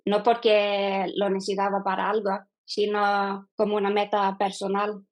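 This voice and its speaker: A Norwegian woman in her thirties, a non-native speaker, answering as an interview guest, often pausing and restarting as she talks. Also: medium pitch, completely flat delivery. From Norway. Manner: hesitant, with frequent fillers and restarts. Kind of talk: casual interview.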